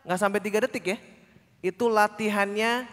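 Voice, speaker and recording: A man leads a public speaking workshop, talking to a young crowd with a playful, teasing energy. His voice sits high for a man, and he drops into short acted-out bits of dialogue. The sound carries a long hall reverb. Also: normal speed. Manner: lively, teasing, acts out little quoted lines. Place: large conference hall.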